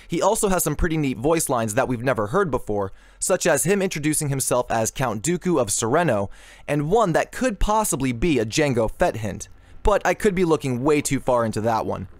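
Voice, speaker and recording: A man's voice: mid-range voice, very animated, fairly quick, no room sound. A man presenting scripted video game news commentary as the host of an online channel.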